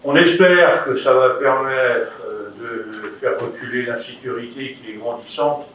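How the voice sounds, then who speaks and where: A man with a French accent speaks up as a councillor in a heavily echoing room, some way from the microphone. His delivery is formal and halting yet pointed, at an ordinary pitch, with faint noise around him. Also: a bit bright. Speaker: local councillor responding at meeting. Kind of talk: formal political remarks at a council meeting. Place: indoor council meeting room. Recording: very echoey meeting room, distant mic, faint noise.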